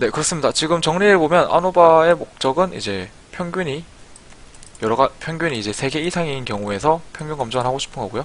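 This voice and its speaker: Fairly high in pitch, a man speaks at a fairly quick pace with lively intonation. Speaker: statistics tutor. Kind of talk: tutorial. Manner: casual, hesitant.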